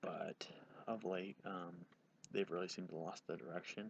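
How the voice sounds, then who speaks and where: A man's quiet, mumbling, very deep voice, flat and monotone, at a fairly quick pace in a dry, close sound with no echo. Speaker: wrestling commentary vlogger. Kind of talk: casual monologue. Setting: outdoors at night.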